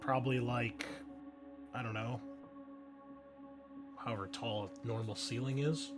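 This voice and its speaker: Game master, male, average pitch, offhand tabletop narration, music underneath. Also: fairly even intonation, unhurried. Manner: informal, thinks aloud while checking rules.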